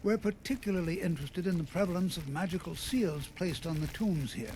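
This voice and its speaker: An actor playing a kindly, cautious elderly wizard teacher in a video game, gentle and courteous in manner. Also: male voice, fairly high pitch, animated, lightly acted. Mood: patient, instructive. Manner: gentle, measured, courteous lecturing. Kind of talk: video game character acting. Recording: game audio with clear background noise.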